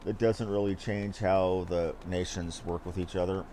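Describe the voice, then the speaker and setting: A man's voice: deep voice, fairly even intonation, moderate pace, mellow, a little hiss or hum. A man giving casual, offhand gameplay commentary with geeky asides as he streams. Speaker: game streamer.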